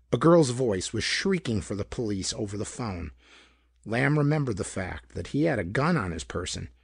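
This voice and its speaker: A man narrates pulp detective fiction in a rough-edged voice. His pitch moves expressively as he tells the story with dramatic flair. The sound is dry, with hardly any room around it. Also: no echo. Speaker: audiobook narrator.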